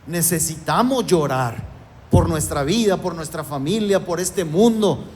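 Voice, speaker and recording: Man, pastor, emphatic sermon, high voice, faint background hiss. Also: expressive, a little slow, darkish tone. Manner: emphatic preaching, repeatedly addressing the congregation as brothers.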